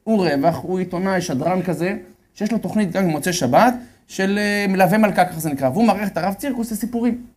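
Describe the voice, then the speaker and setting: A man telling a religious story as a lecturer, animated and often telling his audience to listen well. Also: high-pitched. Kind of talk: storytelling sermon.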